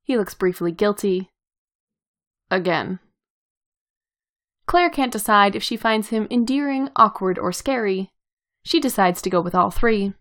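A woman calmly reading fan fiction aloud in an even narrating voice. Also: mid-range voice, unhurried, long pauses. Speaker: reader.

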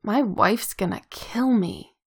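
A man's voice: high voice, takes it slowly, creaky, breathy edge, exaggerated voice. A woman voicing a cheerful, laid-back male superhero archer with a wry, easygoing manner, in a fan fiction reading. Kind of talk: fan fiction read aloud.

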